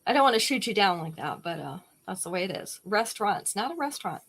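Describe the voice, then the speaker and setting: A woman's voice: mid-range voice, very animated, quick pace, a bit bright, husky. A woman hosting a live-stream jewelry sale, chatting casually and greeting viewers by name as she shows each piece.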